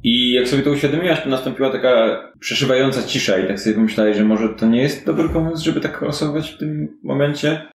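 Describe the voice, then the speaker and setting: A man narrating a fantasy detective tabletop game as game master, improvising in a conversational, halting way. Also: mid-range voice. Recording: roomy echo, audible background noise.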